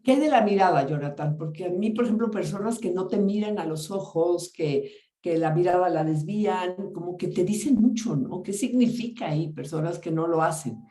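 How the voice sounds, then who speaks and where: A woman's voice: lowish voice, moderate pace, mellow. Woman host asking questions in a roomy space. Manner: engaged, asks questions and affirms with short replies. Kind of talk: interview questions.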